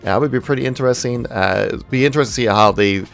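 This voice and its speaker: A man's voice: medium pitch, fast, gravelly. A man hosting a gaming channel, giving news commentary in an enthusiastic, informal way.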